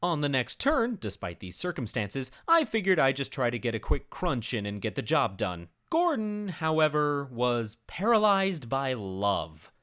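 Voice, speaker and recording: A narrator performs a dramatic reading of a comedic tale. The delivery is theatrical and grave, like a solemn storyteller, with highly animated pitch that rises and falls widely. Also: a little slow, hardly any pauses.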